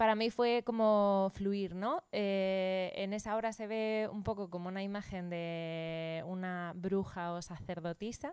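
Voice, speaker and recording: Speaking at a very slow pace with hardly any pauses, a woman holds a medium pitch and fairly even intonation in a very clean recording over a silent background. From Murcia, Spain. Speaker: artist. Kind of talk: panel talk. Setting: venue with live audience.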